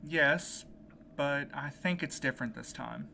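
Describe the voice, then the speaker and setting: Man playing an earnest, determined man, bright-voiced. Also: a little high, measured pace, vocal fry, slight background noise, full character voice. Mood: urgent, insistent. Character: determined, anxious young man set on rescuing his friend. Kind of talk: naturalistic audio drama acting.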